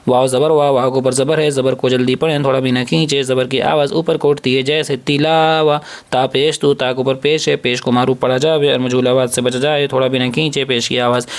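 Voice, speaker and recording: A man teaching a step-by-step reading lesson, drilling slow, drawn-out syllables and patiently repeating each rule, often asking a question and answering it himself. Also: mid-range voice, level tone. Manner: asks and answers his own questions.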